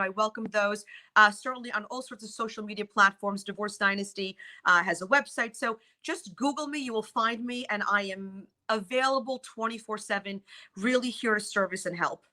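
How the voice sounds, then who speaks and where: A woman's voice: mid-range voice, pushed and bright. A middle-aged woman born in Poland, whose first language is Polish, speaking emphatically as a divorce lawyer guest on a morning TV talk show. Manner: emphatic, exclamatory storytelling. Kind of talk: morning TV interview.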